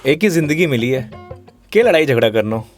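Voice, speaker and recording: A man's voice: mid-range voice, lively intonation, a little fast, soft background music, natural voice. An actor playing a brash, bossy man, bullying a vendor.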